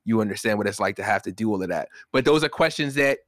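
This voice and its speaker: A man's voice: lowish voice, lively intonation, fast talker, a bit bright, no room sound, clean studio sound. A man in a casual podcast discussion who restarts his sentences several times before he gets to his point.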